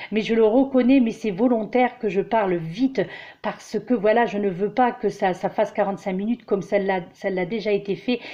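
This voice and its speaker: The woman's pitch is medium, with fairly even intonation. Her pace is moderate. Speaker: tarot reader. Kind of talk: tarot reading monologue. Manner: hesitant, many fillers.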